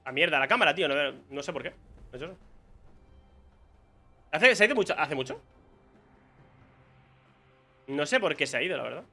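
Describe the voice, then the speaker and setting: Bright-voiced Spanish gamer commentating live. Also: male voice, a little high, sing-song, a little fast, pauses often, soft background music. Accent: Spain Spanish. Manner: casual, muttering to himself, exclaims when surprised. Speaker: gaming streamer.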